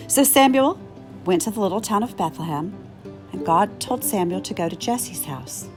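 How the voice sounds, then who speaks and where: A woman narrates a children's Bible storybook in a mid-range voice. Her delivery is expressive and scripted, with dialogue acted out as part of the telling. Music plays clearly underneath. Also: mid-range voice, normal speed.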